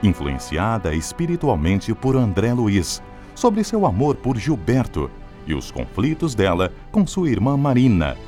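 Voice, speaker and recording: Deep-voiced radio announcer. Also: male voice, wildly swooping pitch, measured pace, dark tone. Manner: formal, declamatory. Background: music.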